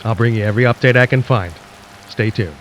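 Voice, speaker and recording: Man acting, radio drama host, medium pitch, skeptical, uneasy, wry, conspiratorial, dramatic pauses, faint hiss. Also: highs cut off, close to an everyday voice. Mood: sardonic, worried. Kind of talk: radio drama broadcast monologue.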